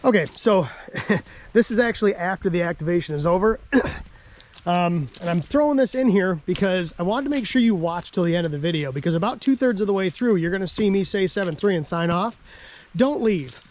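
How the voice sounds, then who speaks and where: An American man, out of breath after a hike, vlogging outdoors in a chatty, self-deprecating way and clearing his throat often. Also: sits high, lively intonation, a little fast, a little mellow. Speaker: ham radio vlogger. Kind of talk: casual outdoor vlog. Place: outdoors on a dam in a park.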